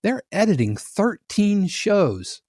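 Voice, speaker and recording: A man guest on a podcast, explaining his trade in casual conversation, animated and full of analogies, often restarting his sentences. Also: sits high, takes it slowly, dry recording, studio quality. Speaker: podcast guest, production music composer.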